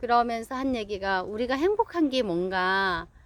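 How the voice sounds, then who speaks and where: A woman's voice with ordinary pitch variation. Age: 60s. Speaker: poet. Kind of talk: casual talk. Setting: outdoors.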